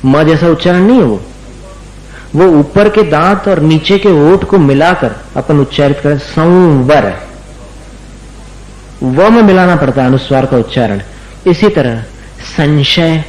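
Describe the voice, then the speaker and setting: Slightly high and a bit mellow, this male voice belongs to a religious teacher guiding listeners through recitation. He is patient, pronouncing words slowly and repeatedly so they can follow along, though the audio is reverberant and poor.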